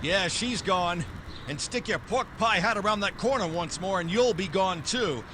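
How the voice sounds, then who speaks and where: A man's voice: high voice, expressive, moderate pace, noisy background. A man playing a tough, sardonic private detective in 1940s noir radio style, with clipped, threatening wisecracks. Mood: cool, sardonic. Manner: clipped wisecracking, hard-edged delivery. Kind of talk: 1940s noir radio drama acting, first-person narration.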